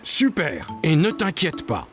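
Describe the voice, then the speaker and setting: A man's voice: on the high side, wildly swooping pitch, a little slow, music in the background. A man playing a kindly, reassuring, instructive grown-up in a children's cartoon. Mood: friendly, encouraging.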